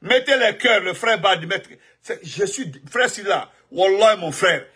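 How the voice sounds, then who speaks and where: A man's voice: sits high, lively intonation, measured pace, pushed and bright, husky. A man doing rambling live political commentary. He talks emphatically, repeats himself, and breaks off to greet viewers by name. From Guinea. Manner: emphatic, repetitive, jumps between topics and greetings.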